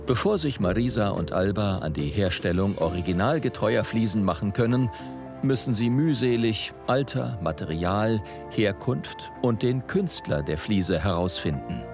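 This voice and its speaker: A man reading scripted voice-over narration for a TV report in a measured, even way. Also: lowish voice, music in the background. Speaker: documentary narrator.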